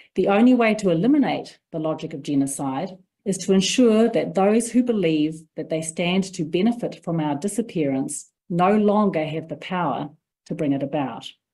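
A woman with a New Zealand accent speaks in a dark, mellow tone at a fairly low pitch, with lively intonation at a moderate pace over a quiet background. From New Zealand, Māori (Ngāti Raukawa). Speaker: law professor. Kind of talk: lecture. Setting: video call. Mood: serious, measured. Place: home room. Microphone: webcam.

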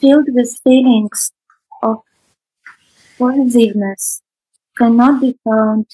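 The speech moves at a very slow pace with fairly even intonation, dry with no echo, against a quiet background. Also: woman. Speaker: interpreter; spiritual teacher. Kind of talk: lecture. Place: home room. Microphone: video call.

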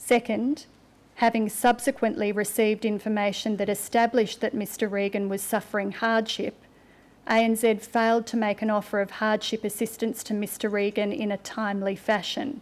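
Speaking at a moderate pace, a woman with an Australian accent uses a fairly high pitch and monotone, flat intonation. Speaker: senior counsel assisting a royal commission. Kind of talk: courtroom closing address, formal legal oratory. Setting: courtroom. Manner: formal, measured and precise; steady, reading out long lists of findings and citations. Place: hall. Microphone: podium.

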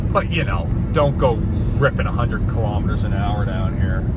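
A man at a fairly quick pace, loud background noise, and a dry sound with no echo. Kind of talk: casual driving commentary. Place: car. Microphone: phone near.

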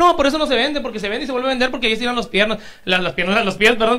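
A man's raised, projected voice at an extremely high pitch and a very fast pace, against a quiet background. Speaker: singer and real estate agent. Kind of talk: casual chat. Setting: studio, live Facebook stream. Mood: relaxed, anecdotal. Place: studio. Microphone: handheld.

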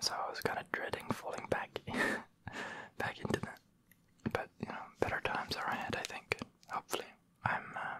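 A man whispers at a fairly quick pace. His delivery is soft-spoken. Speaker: streamer or vlogger. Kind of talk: casual vlog chat while eating. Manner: soft close-mic ASMR whisper. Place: home room. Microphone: studio mic.

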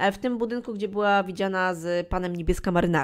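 A woman with an ordinary speaking voice, medium pitch, fairly even intonation and a fairly quick pace. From Poland. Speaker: true crime podcaster. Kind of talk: true crime storytelling. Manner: casual, conversational.

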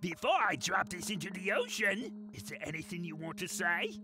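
Over clear background music, a man uses a put-on character voice, high-pitched, raised and projected, at a moderate pace with big swings in loudness.

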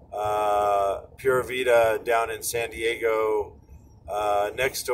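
A man at a very slow pace with monotone, flat intonation, light background noise behind him. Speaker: driver vlogger. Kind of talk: casual vlog chat. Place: car. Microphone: phone near.

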